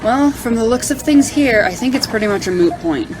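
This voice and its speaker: A woman's voice: on the high side, animated, a little fast, music in the background, close to an everyday voice, low-quality recording. A woman playing a friendly, practical companion in an amateur audio drama, with a casual, conversational delivery.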